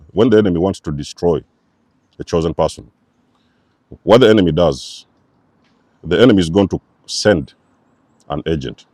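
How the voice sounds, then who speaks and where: A man's voice: sits low, darkish tone, no room sound, studio quality. A man hosting a spiritual channel, giving an emphatic, repetitive preacher-like talk to his viewers. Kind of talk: spiritual teaching monologue.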